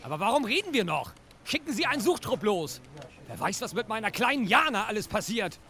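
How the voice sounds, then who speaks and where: An actor playing a furious father who demands to know where his missing daughter is and shouts abuse at the police. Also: high voice, very animated, fairly quick, exaggerated voice. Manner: shouting, accusing. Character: enraged desperate father, middle-aged man.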